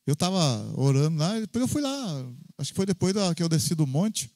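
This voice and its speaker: A man with a Brazilian Portuguese accent preaching an informal sermon in a church, telling personal stories with lively frequent tag questions. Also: on the high side, brisk, dry recording. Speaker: pastor.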